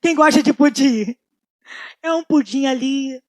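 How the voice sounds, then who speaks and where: A woman's voice: high-pitched, a little slow, darkish tone, no echo, studio quality. A middle-aged woman teaching a church Bible study in a conversational way, repeating key phrases and asking the audience questions.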